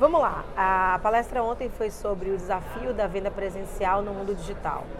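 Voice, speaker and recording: Amid crowd noise and audible room echo, a woman speaks in an animated tone at a medium pitch. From Brazil, Salvador (Bahia). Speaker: sales consultant and speaker. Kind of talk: casual interview. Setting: at a trade show.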